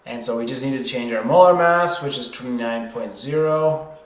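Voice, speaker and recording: A man's voice: mid-range voice, moderate pace, roomy sound. A man working through a problem as an informal tutor, hesitant, thinking aloud and correcting himself.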